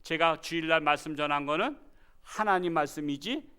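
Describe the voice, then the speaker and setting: Man, pastor, sunday sermon, bright sharp voice, folksy jokes with the congregation. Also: fairly high pitch, moderate pace, clear, resonant tone. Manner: animated, swinging from loud exclamations to quiet asides.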